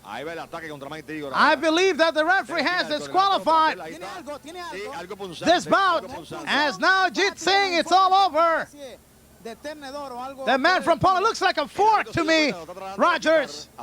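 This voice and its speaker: A man calling a wrestling match play-by-play as a lucha libre announcer, with an excitable manner. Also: extremely high pitch, unhurried, long pauses.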